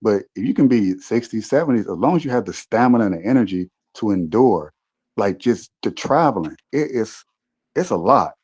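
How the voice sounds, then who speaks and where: A man's voice: on the low side, animated, normal speed, a little mellow, husky. A man in a casual podcast chat, talking reflectively, with frequent restarts. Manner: reflective, rambling with many restarts. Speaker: podcast co-host.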